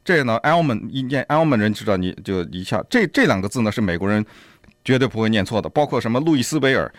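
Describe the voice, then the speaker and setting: A male radio co-host talks quickly, with a lively, wide-ranging pitch. He explains things through example after example and sounds relaxed and chatty. The studio sound is close and dry. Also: no echo. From China. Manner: explains with many examples, chuckles at language traps. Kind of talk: casual radio discussion.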